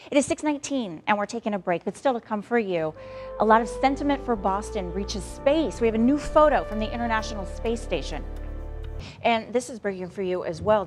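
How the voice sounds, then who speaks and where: A woman's voice: fairly low pitch, a little mellow. A woman anchoring a live local morning TV newscast, talking to viewers directly in a conversational way.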